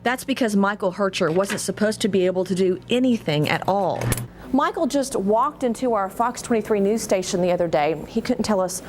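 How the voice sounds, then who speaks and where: A woman's voice: mid-range voice, brisk, slight background noise. A woman working as a television news reporter, delivering scripted narration and questions for a human-interest story.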